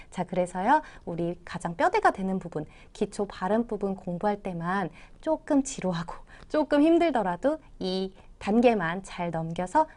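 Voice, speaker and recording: Woman instructor for a video course, animated pitch, warm and encouraging, sweeps her voice through tone examples. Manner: encouraging, demonstrates tones with swooping pitch. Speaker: Chinese language teacher. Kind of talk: online video lesson.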